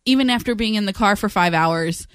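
A woman's voice: mid-range voice, brisk, clear, resonant tone, dry recording. A woman in her thirties co-hosting a casual family podcast in a studio, teasing and laughing often. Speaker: podcast co-host. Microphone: studio microphone.

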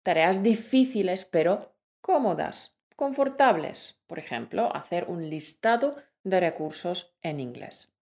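Clear-spoken woman teaching podcast lesson. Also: on the low side, expressive, unhurried, few pauses, a little mellow. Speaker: co-host of a Spanish-learning podcast.

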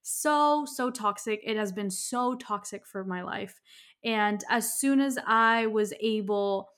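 A woman's voice: medium pitch, slow pace, fairly bright tone. A woman in her thirties from Miami, hosting a podcast in a candid, ranting monologue that is often broken by laughter. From United States (Miami). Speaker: podcast host. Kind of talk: casual monologue.

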